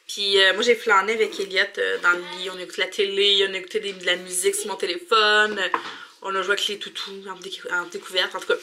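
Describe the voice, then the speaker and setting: A woman's voice: mid-range voice, little pitch movement, fast talker, noisy background. A young woman with a Quebec French accent, chatting informally and colloquially to the camera as a vlogger in her home bathroom. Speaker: mom vlogger. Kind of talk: casual vlog chat to camera.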